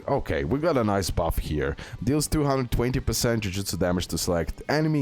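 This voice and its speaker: Male gaming video host, lowish register, off-the-cuff and repetitive delivery, faint music underneath. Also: darkish tone. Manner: repeats himself, checks in with "okay" and "guys". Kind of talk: casual unscripted game tier-list commentary.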